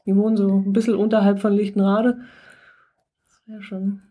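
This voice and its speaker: A woman's voice: mid-range voice, moderate pace. Woman podcast host in a middle register, easygoing interviewer. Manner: relaxed, encouraging, laughs often. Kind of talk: casual interview.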